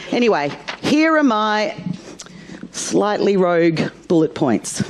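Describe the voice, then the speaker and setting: Over noticeable background noise, a woman with an Australian accent speaks at a medium pitch with very wide pitch swings. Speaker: clinician. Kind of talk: facilitated discussion talk. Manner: fast.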